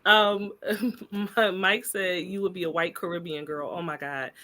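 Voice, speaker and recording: Young woman co-host, bright and forceful, laughs a lot, casual panel chat. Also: fairly low pitch, steady tone, unhurried. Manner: laughs often, talks directly to the comments. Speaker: podcast co-host.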